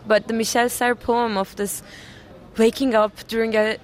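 A woman's voice: a little high, level tone, unhurried. Composer woman, American-Turkish accent. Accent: American English with a slight Turkish trace. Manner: loose and searching, with many "like" and "kind of" fillers. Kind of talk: interview answers.

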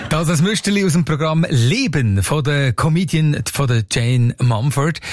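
A man presenting a radio segment in a relaxed, scripted way with small hesitations. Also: fairly high pitch, dry recording, studio quality. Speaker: radio host.

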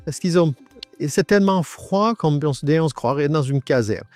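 A man in his nineties gives a halting personal testimony in a radio interview. His voice is disguised by an AI voice changer. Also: a little high, lively intonation, darkish tone, no echo, faint music behind. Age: 90s. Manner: halting, with many restarts and repetitions. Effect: voice altered by an AI voice changer.

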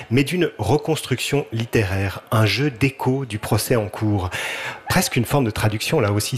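A man hosts a radio book interview. He reads out carefully built, formal questions at an even, measured pace. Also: medium pitch. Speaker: radio show host.

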